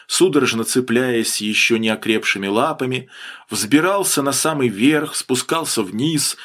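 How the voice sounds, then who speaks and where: Male audiobook narrator, measured, expressive pitch. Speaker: audiobook reader. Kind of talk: scripted narration.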